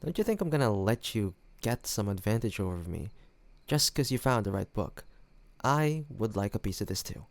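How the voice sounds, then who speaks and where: A man's voice: lowish voice, very animated, normal speed, gravelly, dry recording. A man acting a cocky young student in an audio roleplay, teasing and mocking an academic rival. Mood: teasing, suspicious. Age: young adult.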